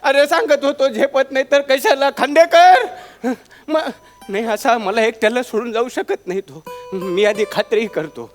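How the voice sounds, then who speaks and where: A man playing a grieving, sharp-tongued old man in a stage comedy sketch, teasing his friend. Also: extremely high pitch, moderate pace. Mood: fretful joking. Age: older. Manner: teasing, wisecracking, mock-mournful. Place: TV comedy stage with live audience. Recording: stage mic with loud audience laughter and music.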